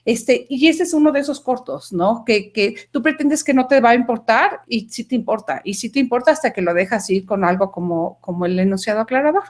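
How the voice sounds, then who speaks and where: A woman from Mexico and Denmark telling a personal story over a video call, animated and emphatic, often correcting herself mid-sentence. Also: fairly high pitch, fairly quick, hardly any pauses.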